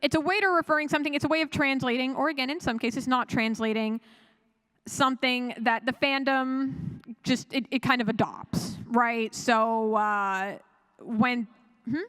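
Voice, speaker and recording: A woman presenting an informal panel talk to an audience, animated and conversational, with wry asides. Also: high-pitched, moderate pace.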